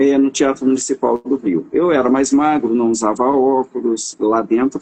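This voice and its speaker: A man's medium-pitched voice with a dark, mellow tone at a fairly slow pace, in a dry, close sound with no echo. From Brazil, Minas Gerais (Juiz de Fora). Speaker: interviewer, former ballet dancer. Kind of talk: interview. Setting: live online video call.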